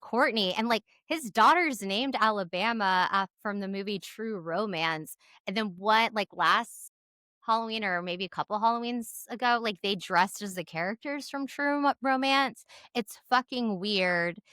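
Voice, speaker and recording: Female podcast co-host, gossipy and candid, bright medium-pitched voice, close dry sound. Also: a little slow, smooth, no room sound. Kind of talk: casual chat.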